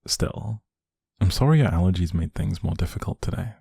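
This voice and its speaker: A man playing a doting, playfully teasing young boyfriend in an intimate one-sided roleplay, speaking affectionately with a soft, husky voice. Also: lively intonation, moderate pace, no room sound, heavily acted. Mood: attentive, gentle. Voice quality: low, soft, husky, creaky.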